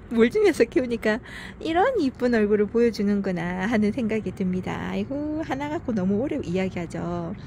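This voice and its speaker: Background noise runs under a woman's medium-pitched voice as she films her home veranda garden. A succulent gardening vlogger, she narrates casually, chatting lovingly about each plant with little sighs.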